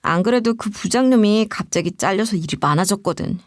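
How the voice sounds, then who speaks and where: A woman's voice: mid-range voice, animated, brisk, no room sound, studio quality, natural voice. A woman reading the lines of an easygoing husband in a storytelling narration. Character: casual cheerful husband, office worker.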